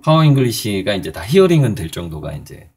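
A middle-aged male painter talking casually in a morning vlog, rambling a little with fillers and soft chuckles. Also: on the low side, sing-song, fast talker, slightly rough. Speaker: painter and channel host.

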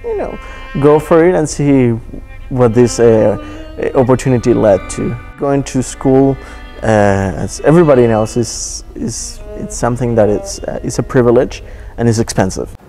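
Interviewed indoors in an auditorium, a young man from Argentina, a student violist in his twenties whose first language is Spanish, chats casually with an Argentine accent. Soft music plays in the background behind his medium-pitched, dark voice and moderate pace.

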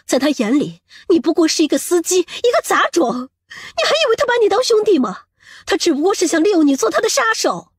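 High-pitched, fierce scolding mother played by a woman. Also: dry recording, clean studio sound. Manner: emphatic, sharp-tongued. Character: fierce, protective, scolding mother of grown son. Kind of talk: dramatic audiobook acting.

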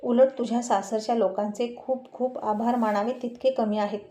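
A teasing, stern old grandfather from a spoken story, as a woman narrator puts him on, fond of ribbing his grandson and laying down the law. The voice is mellow and fairly high, recorded in an echoey room. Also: fairly even intonation, normal speed, lightly acted. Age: older. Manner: teasing, scolding.

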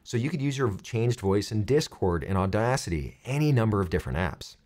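A man in his thirties presenting a software tutorial, explaining things clearly step by step. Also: on the low side, lively intonation, brisk.

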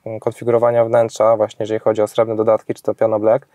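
A man giving a casual, unscripted owner's review, speaking in a halting way with frequent hums and self-corrections. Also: fairly low pitch, monotone, warm tone, dry recording.

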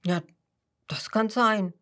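A woman's voice: medium pitch, slow, sharp tone, voice pushed up. Seppel, a woman doing a musing puppet boy. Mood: agreeable. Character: helpful young male puppet friend, thoughtful. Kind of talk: storytelling for small children.

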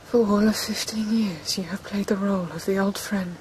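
A woman's voice: medium pitch, fairly even intonation, normal speed, a little mellow, a little hiss or hum, close to an everyday voice, low-quality recording. A woman playing a loving, anguished noblewoman with an earnest, impassioned manner in a radio drama. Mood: dawning realisation. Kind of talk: theatrical radio drama acting.

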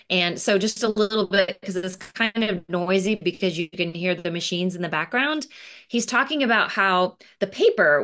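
A woman in her forties speaking expressively as an author, reading aloud and explaining casually to children on a video call. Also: mid-range voice. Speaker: picture book author presenting. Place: indoor room with bookshelves, on video call.

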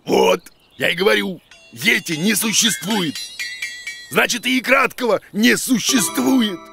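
A man voicing an excitable, muddled bearded creature who teaches in a children's cartoon, theatrical and grumbling. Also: high-pitched, measured pace, gravelly, full character voice. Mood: exasperated. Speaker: teacher, main character. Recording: music behind the voice.

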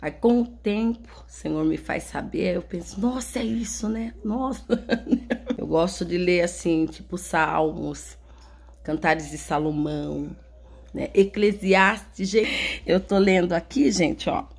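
Slow-talking Brazilian woman vlogging at home. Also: fairly low pitch, creaky, slightly rough. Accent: Brazilian Portuguese. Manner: chatty, affectionate, laughs often. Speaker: vlogger and mother. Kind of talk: casual home vlog. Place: home, indoors.

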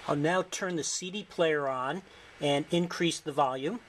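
A middle-aged man narrating an instructional demonstration as a lecturer, in a measured, explanatory way. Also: on the high side. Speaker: physics lecturer. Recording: faint background noise.

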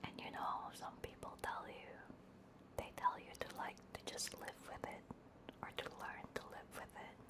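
A woman whispering breathily and casually into a close binaural microphone, chatting haltingly on an ASMR livestream. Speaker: VTuber streamer.

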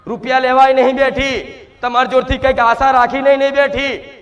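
A man with a strikingly high voice preaches to a crowd, speaking as a goddess through him. He shouts his words loudly and forcefully, circling back to the same phrases. He keeps tossing out rhetorical questions. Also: level tone, brisk, muffled recording. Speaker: devotional medium speaking as the goddess. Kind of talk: impassioned sermon to a crowd. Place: large gathering with a crowd.

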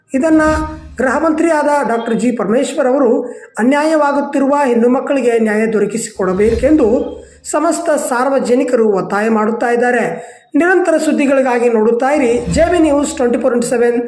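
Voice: sits high, a little fast, a little mellow, roomy sound. A news anchor from Karnataka with a Kannada accent, reading a scripted news intro with dramatic, indignant delivery.

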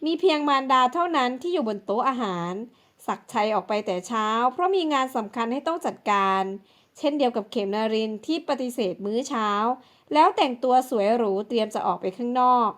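High-voiced woman narrating an audiobook. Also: lively intonation, brisk. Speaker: storyteller.

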